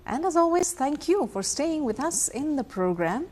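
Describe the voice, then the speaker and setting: A woman from Nepal hosting a broadcast interview, asking brief, polished questions in a calm manner. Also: high voice, normal speed. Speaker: TV interviewer host.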